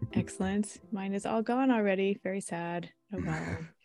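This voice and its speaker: With a normal speaking voice, a woman talks at a medium pitch and with fairly even intonation. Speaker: podcast host, homeschooling mom and liturgical musician. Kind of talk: casual podcast chat.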